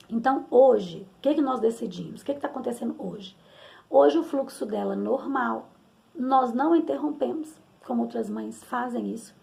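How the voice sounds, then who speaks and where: Candid Brazilian mother, mellow higher voice. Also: vocal fry. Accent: Brazilian Portuguese. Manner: candid, rambling storytelling with frequent tag questions. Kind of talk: personal testimony, conversational.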